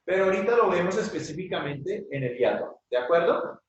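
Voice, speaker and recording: A man's voice: high voice, lively intonation, fairly quick, muffled recording. A male teacher giving a classroom grammar lesson, patiently checking in with his students after each point. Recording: very echoey room, voice from far off.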